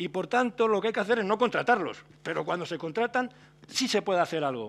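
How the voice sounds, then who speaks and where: A man's voice with lively intonation at a fairly quick pace. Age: 70s. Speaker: audience member, health activist; audience member. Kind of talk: audience comment. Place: meeting room. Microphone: podium.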